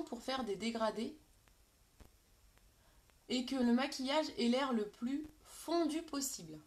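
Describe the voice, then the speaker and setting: A woman with a French accent hosting a live makeup tutorial, chatting to her viewers as she works. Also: a little high. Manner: chatty, addresses viewers directly, reads out comments.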